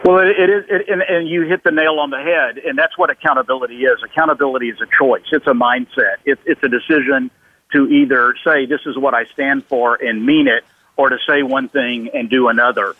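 A man's voice: mid-range voice, fairly even intonation, a little fast, dry recording, narrow, tinny audio. A man giving a conversational radio interview as an expert guest, emphatic, often repeating words and acting out quoted remarks. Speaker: interview guest, business author and consultant.

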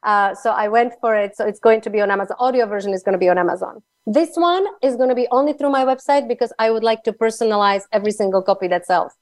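A woman's voice: medium pitch, fast talker, hardly any pauses, dry recording. Slovak-accented woman, very dry close sound. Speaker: guest author. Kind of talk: conversational interview, personal anecdotes.

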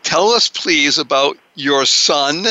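A man's voice: fairly high pitch, slow, sharp tone, poor audio. A man hosting a radio talk show, playful and enthusiastic with his guest. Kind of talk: radio interview.

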